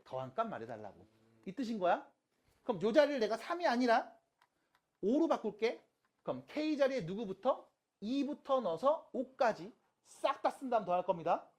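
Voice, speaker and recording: Lively-pitched math teacher quizzing students. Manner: constantly quizzes students with rhetorical questions; mixes casual and polite speech. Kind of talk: online math lecture to high school students.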